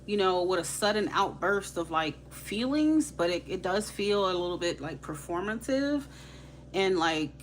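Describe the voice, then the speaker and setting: A woman's voice: lowish voice, lively intonation, a little slow, a little hiss or hum, low-quality recording. A young woman with a Haitian accent, giving live tarot readings in a casual, slangy, chatty way and laughing easily. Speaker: tarot reader.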